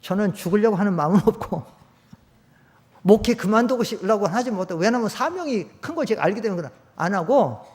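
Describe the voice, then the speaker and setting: Older male pastor preaching with high pitch. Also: lively intonation, fast. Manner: conversational preaching, rising to loud emphatic peaks, drops low for stories. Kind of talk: sermon. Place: church sanctuary.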